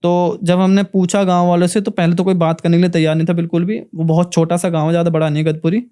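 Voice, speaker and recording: High, smooth-voiced young man. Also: level tone, quick pace, mellow. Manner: earnest, recounts events in vivid detail. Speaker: paranormal investigator guest. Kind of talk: emotional storytelling in a podcast interview.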